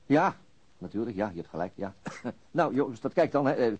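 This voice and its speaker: Weary detective, raw husky throat, quick delivery, mild, hesitant, radio drama. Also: male voice, medium pitch, expressive, darkish tone, lo-fi sound. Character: weary, apologetic, dogged police detective. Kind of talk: naturalistic radio drama dialogue.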